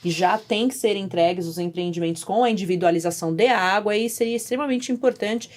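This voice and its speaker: A Brazilian woman speaks on a podcast panel at a middle pitch. She explains points conversationally and articulately, as if advising the listener. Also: a little fast, darkish tone.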